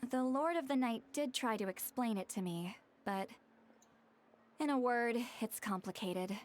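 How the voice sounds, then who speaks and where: A woman playing a composed female warrior in a video game, explaining things in a measured, earnest, articulate way. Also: a little high, lightly acted. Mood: thoughtful, explanatory. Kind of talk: video game character acting.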